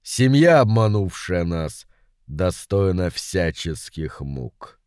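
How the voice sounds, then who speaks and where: A man voicing a pompous ancient demon lord who speaks in a slow, booming, imperious manner in an audiobook. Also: big pitch swings, a little mellow, clear, resonant tone, no echo, studio quality, full character voice. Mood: menacing. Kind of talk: audiobook character voice.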